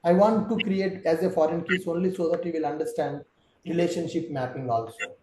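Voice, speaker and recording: A man's voice: fairly high pitch, a little fast, darkish tone, echoey room, a little hiss or hum, rough recording. A man teaching an online class as trainer, explaining patiently and step by step.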